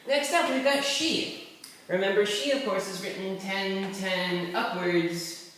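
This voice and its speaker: Writing characters as they go, this language tutor talks through a laid-back, wandering lesson with casual asides. Their medium-pitched voice is slow and fairly bright, recorded at a distance in a heavily echoing room with a faint hiss.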